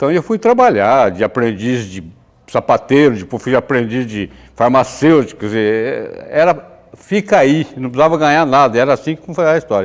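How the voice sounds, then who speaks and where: A man's medium-pitched, plain, everyday voice with lively intonation at a moderate pace. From Brazil, Ourinhos, São Paulo state. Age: 60s. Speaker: former city council president. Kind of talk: interview.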